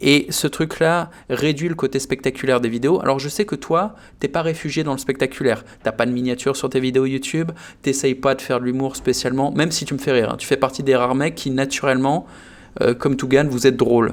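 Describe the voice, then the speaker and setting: Fairly quick pace from a man with a medium pitch, fairly even intonation and a plain, everyday voice. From France. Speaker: business youtuber, interviewer. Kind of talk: interview, casual chat.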